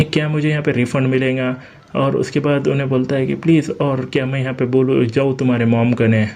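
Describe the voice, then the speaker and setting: हिंदी में कहानी सुनाता एक आदमी. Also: male voice, mid-range voice, darkish tone. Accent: Indian Hindi. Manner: reads all characters' lines in his own plain voice, with many fillers. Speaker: manhwa recap narrator. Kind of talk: casual storytelling recap.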